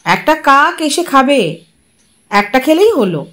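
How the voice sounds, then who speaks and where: Lady doing an old priest, bossy, giving orders, voice a bit higher. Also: sing-song, takes it slowly, a bit bright, full character voice. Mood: instructing. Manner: instructing.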